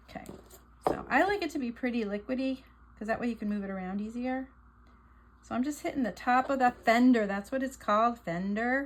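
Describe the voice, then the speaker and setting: A woman talks at a moderate pace with a fairly high pitch and ordinary pitch variation. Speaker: craft tutorial host, shop founder. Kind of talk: tutorial. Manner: casual, chatty with filler words.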